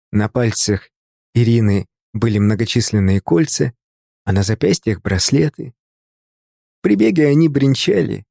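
A male narrator reads a novel in a calm, measured storytelling voice. His tone is warm and mellow, at an everyday pitch. The sound is dry and close, with no room around it. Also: creaky, no room sound. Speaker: audiobook narrator.

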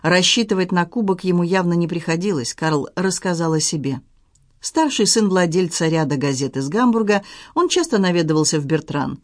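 A narrator reading a novel aloud in an even, measured storytelling manner. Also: mid-range voice, no room sound, studio quality.

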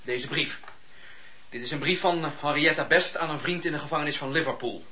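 An actor playing a stern, righteous religious leader in a historical radio drama, preachy and emphatic. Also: male voice, fairly high pitch, brisk, pushed and bright. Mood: indignant. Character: stern, indignant male religious leader of old England. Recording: muffled lo-fi radio drama recording.

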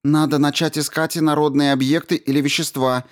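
A man voicing a brisk female mission doctor who gives urgent orders. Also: on the high side, level tone, voice pushed up, close to an everyday voice.

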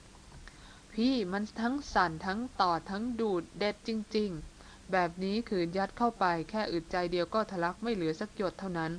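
A woman voicing an excitable young male army officer who talks in a boisterous, laughing, crude way. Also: mid-range voice, moderate pace, slight background noise, natural voice, low-quality recording. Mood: gleeful.

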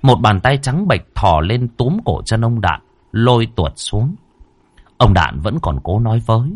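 A man tells a ghost story with dramatic, vivid narration. His voice is very deep and husky, with a lively melody. The sound is close and dry. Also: measured pace.

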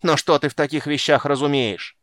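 A man voicing a cranky old male sorcerer who shouts and scolds in a shrill, petulant voice. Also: huge pitch swings, moderate pace, dry recording, clean studio sound. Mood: ranting.

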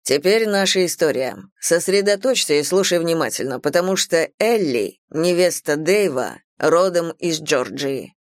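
A man's voice: fairly high pitch, lively intonation, moderate pace, hardly any pauses, dry recording, studio quality. A woman voicing a curt, bossy businessman. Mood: commanding. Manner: blunt, commanding. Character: curt, demanding young businessman.

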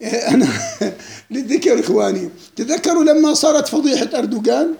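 A man's voice: extremely high pitch, expressive, quick pace, vocal fry, mellow, reverberant. A man giving an informal lecture, mocking and laughing often and quizzing his listeners. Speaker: lecturer leading a book discussion.

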